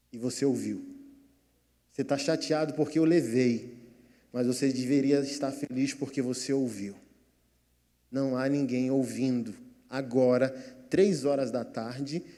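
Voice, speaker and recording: A Brazilian man voicing God as a calm, patient voice who explains slowly, in a sermon. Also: medium pitch, in a large hall, natural voice.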